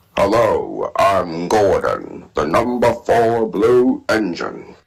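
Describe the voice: A man uses a put-on character voice and speaks at a very slow pace.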